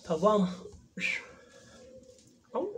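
Indian man chatting in halting Portuguese. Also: high-pitched, huge pitch swings, background noise. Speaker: YouTube reaction host. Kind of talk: casual reaction video chat. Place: indoor room in front of a wooden backdrop. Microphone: lapel mic. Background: music playing from the reacted video.

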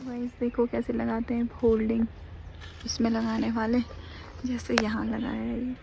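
A woman's voice: a little high, completely flat delivery, moderate pace, gravelly, background noise. Chatty young woman vlogging on a phone. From Uttarakhand, India. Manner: chatty, loud outdoors, soft and subdued at home. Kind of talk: casual daily vlog. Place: streets, office and home, in and out of doors.

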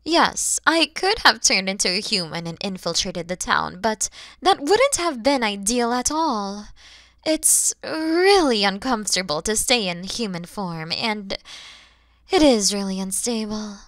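A woman voicing a huge, kind, motherly dragon who is proud and teasing, in an ASMR roleplay, explaining things gently and patiently. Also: medium pitch, animated, a little slow, no echo, studio quality. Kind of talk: ASMR audio roleplay addressed to the listener.

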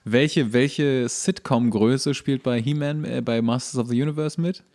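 A man's voice: medium pitch, fairly even intonation, unhurried, darkish tone. A man co-hosting a podcast, chatting informally and explaining things with firm opinions. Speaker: podcast co-host. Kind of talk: casual chat, explaining film trivia.

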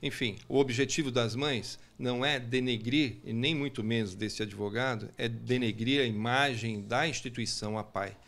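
A man's voice: mid-range voice, moderate pace, few pauses, a bit bright. A man, a lawyer, giving a formal interview statement with legal phrasing and occasional restarts.

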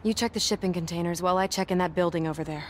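A woman's voice: fairly low pitch, very fast, slight background noise, natural voice. A woman playing sly Black Cat, cool and teasing. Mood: cool, determined. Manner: teasing, cool, self-assured. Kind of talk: cinematic game voice acting.

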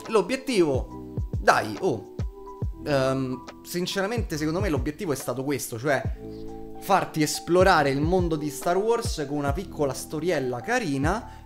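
A man in a medium-pitched voice. He reviews informally, loose with slang and swearing, as a YouTuber would at home. Guitar music plays clearly behind him. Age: 20s. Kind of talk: casual spoken TV series review. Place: small home room with shelves, indoors. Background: background guitar music.

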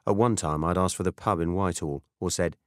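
A British man narrates a first-person novel in a deep voice. His delivery is measured and dry. The recording is close and free of room sound, as suits a scripted audiobook. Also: no echo.

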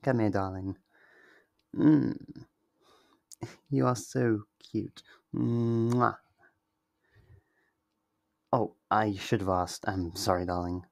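A man's voice: lowish voice, creaky, a little mellow, no echo, exaggerated voice. A man playing a sweet, possessive yandere lover in an intimate ASMR roleplay, tender and reassuring. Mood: affectionate, doting. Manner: tender, reassuring, slow and deliberate.

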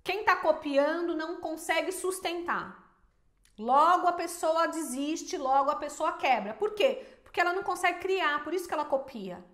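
A Brazilian woman giving emphatic, animated business advice to viewers, with rhetorical questions. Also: high voice, normal speed, roomy sound. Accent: Brazilian Portuguese. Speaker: small business owner and teacher.

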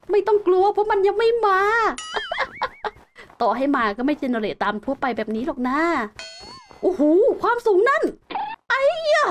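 A woman's voice: high voice, noisy background. A young woman hosting a survival game video, chatting to viewers and exclaiming as she explores. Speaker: game host. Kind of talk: casual Let's Play commentary.

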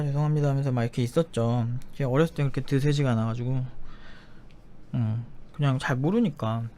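A man's voice: on the high side, a little mellow. Blunt, swearing young man telling a story. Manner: blunt, swears freely, acts out quoted voices. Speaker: developer telling a personal story. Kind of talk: casual storytelling monologue.

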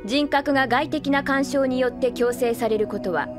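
A fairly high female android voice played by an actress, composed and emotionless. Every phrase is formal, measured and logical, as in an audio drama, with music clearly underneath. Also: lightly acted. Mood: detached, analytical. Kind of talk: Japanese audio drama acting.

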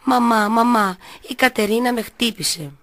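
A woman voicing a jealous little boy who whines and pleads. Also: fairly low pitch. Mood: whiny. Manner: whining, pleading.

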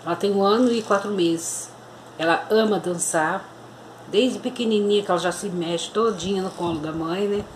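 A woman's voice: mid-range voice, moderate pace, a little hiss or hum. A woman in her fifties with a Brazilian accent, a grandmother chatting casually to her viewers in a home vlog, often calling out to them and using fond diminutives. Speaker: vlogger and grandmother. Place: home kitchen and living room, indoors. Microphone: phone camera held at arm's length. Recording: echoey home room.

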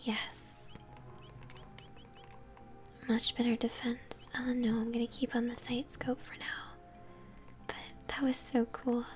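A young woman streams a game in a soft ASMR whisper. Her delivery is unhurried and encouraging as she chats to viewers. Video game music plays behind her. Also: fairly high pitch, little pitch movement. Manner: encouraging, chatty, addressing viewers. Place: indoor room at home.

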